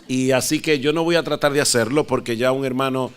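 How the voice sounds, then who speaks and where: A middle-aged man from the Dominican Republic with a Dominican Spanish accent, preaching a sermon in an earnest, measured way and praying softly. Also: mid-range voice, fairly even intonation, smooth. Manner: earnest, measured preaching with soft, hushed prayer. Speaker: pastor.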